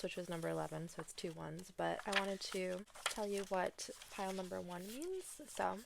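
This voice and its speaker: A medium-pitched, creaky female voice belongs to a tarot reader doing a casual, chatty session, reading aloud from a book in a relaxed manner. Her nose is stuffy and she's a bit out of breath, and a little hiss or hum sits under the audio.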